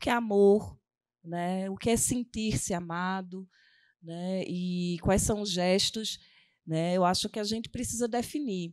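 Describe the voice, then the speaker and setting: At a fairly slow pace, a woman speaks at a medium pitch with ordinary pitch variation over a quiet background. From Brazil, Recife (Pernambuco, Northeast). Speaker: professor and gender researcher. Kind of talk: panel discussion.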